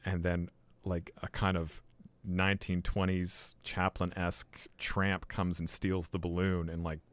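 A man in his forties speaks in a very low voice, recounting his path as a filmmaker in a loose, rambling way full of restarts and fillers. The sound is close and dry, with no room around him. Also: flat delivery, unhurried, no echo. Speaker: guest filmmaker. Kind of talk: casual storytelling interview.

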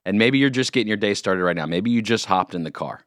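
A male morning radio host with a lowish voice that swings widely up and down as he jokes and rambles. The studio sound is close and dry, with no room around it. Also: fast, no echo. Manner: animated, jokey, rambling. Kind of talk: casual morning radio banter. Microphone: studio microphone.

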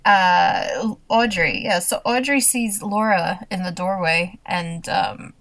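A woman's voice: fairly low pitch, slow pace, fairly bright tone, no room sound. Young female podcast co-host, casual and giggly, dry close mic. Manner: chatty, laughs often, acts out quotes. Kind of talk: casual TV recap chat.

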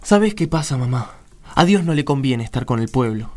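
An actor playing a bitter, sarcastic poor young villager in a radio drama, with an Argentine accent. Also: male voice, mid-range voice, expressive, normal speed, close to an everyday voice. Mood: sarcastic, defiant. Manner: sarcastic, argumentative, exclamatory. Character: bitter poor young Galilean man, mocking, hard-drinking.

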